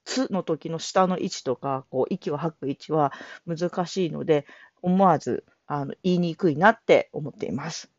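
A woman's voice: sits low, moderate pace, darkish tone, no echo. A woman hosting her own casual solo talk show, chatty and self-deprecating, laughing often as she rambles. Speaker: solo audio show host. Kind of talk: casual spoken monologue. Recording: dull lo-fi dry recording.

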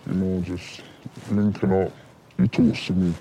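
An anonymous interviewee in a documentary, a man whose voice is disguised and pitched down, talking in a cocky, smug way. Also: measured pace, creaky, mellow, slight background noise, low-quality recording. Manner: cocky, smug street talk. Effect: disguised voice, pitched down deep.

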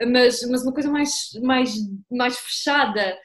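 Female, high register, European Portuguese accent, conversational, halting delivery with repeated words. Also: fairly bright tone. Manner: halting, repeats words while searching for phrasing. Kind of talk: conversational discussion.

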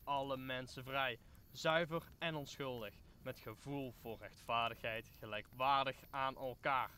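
A male actor plays an optimistic old counsellor in a Shakespearean radio play. He declaims formally and earnestly in a mid-pitched, bright voice. A faint noise sits behind him. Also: fairly even intonation, unhurried. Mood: idealistic, declaiming. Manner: formal, speechifying. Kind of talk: Dutch audio drama acting of Shakespeare.

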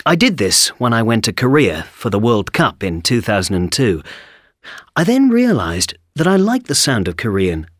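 A man talks with eager enthusiasm, his pitch rising and falling a lot. His voice sits in a middle register. The recording is dry, with no room sound. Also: wildly swooping pitch, moderate pace, a bit bright, no room sound. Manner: enthusiastic, fluent. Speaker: speaker in a listening exercise. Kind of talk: scripted monologue.

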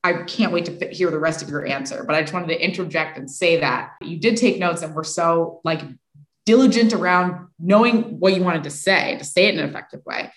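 A woman's voice: on the low side, a little fast. A woman hosting a podcast, talking casually and heaping effusive praise on her guest. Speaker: podcast host. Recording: echoey room.

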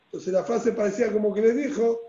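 A man with a Rioplatense Spanish accent teaching a Talmud lesson in a fairly high voice with a dark, mellow tone. He explains step by step and keeps checking that his listeners follow. The recording is dull and lo-fi, with an echoey room around him. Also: steady tone, fast talker. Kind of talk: religious text lesson.

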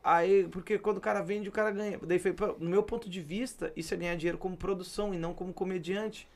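A man's voice: sits high, fairly even intonation, quick pace, a little mellow. A man, explaining his view in a casual chat with hesitant restarts.

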